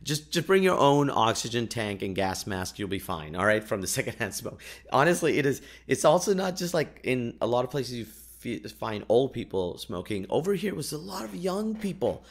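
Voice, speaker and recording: A man's voice: medium pitch, very animated, moderate pace. A man whose first language is Urdu tells anecdotes in a casual, jokey monologue as a podcast host, with wry exaggeration.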